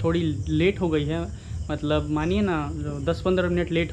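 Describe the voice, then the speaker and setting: Noticeable background noise sits behind a man speaking at a moderate pace. His pitch is fairly low. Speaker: travel vlogger. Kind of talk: casual vlog chat. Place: station. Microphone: phone near.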